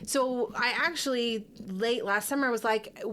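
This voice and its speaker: A middle-aged Texan woman with a fairly high, somewhat bright voice speaks unhurriedly as a podcast guest. She chats in a casual, open interview style, using lots of fillers.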